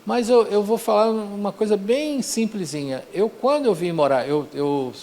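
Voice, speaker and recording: A man's voice: sits high, moderate pace, darkish tone. A man giving an informal spiritual lecture, talking conversationally with frequent tag questions and restarts. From Rio de Janeiro, Brazil. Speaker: course teacher.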